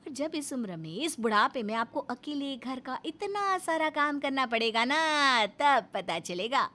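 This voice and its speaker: A woman voicing a bossy, sharp-tongued young wife in a cartoon story, snapping back with shrill retorts. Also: sing-song, unhurried, heavily acted.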